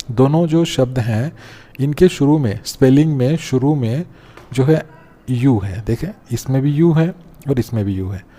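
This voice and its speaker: A young man teaches a grammar lesson in a patient, step-by-step way. His voice is mellow and relaxed at an ordinary middle pitch. He keeps pausing to check that his students are following. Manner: explains step by step, often checks with "theek hai na". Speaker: English teacher. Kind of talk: classroom-style grammar lesson.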